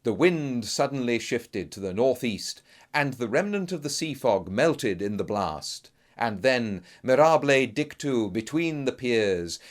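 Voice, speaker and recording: A man narrating a classic Gothic tale in a theatrical, grave and suspenseful manner, as a melodramatic audiobook reading. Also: mid-range voice. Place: recording studio.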